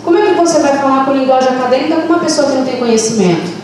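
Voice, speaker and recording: A woman's voice: high voice, darkish tone. Earnest woman in an echoey hall. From Brazilian Amazon, Baré people. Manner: earnest, halting, fillers, speeds up when stirred. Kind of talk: impassioned panel talk. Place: lecture room. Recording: echoey hall from far off, noisy.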